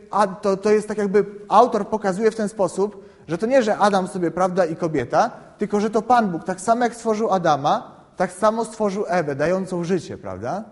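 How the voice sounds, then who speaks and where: A man explaining scripture to a group in a conversational, halting way, often checking in with the listeners and repeating words while he thinks. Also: high-pitched, a little mellow. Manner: conversational, keeps asking "right?" to check understanding. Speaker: Bible teacher. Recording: long reverb in a hall.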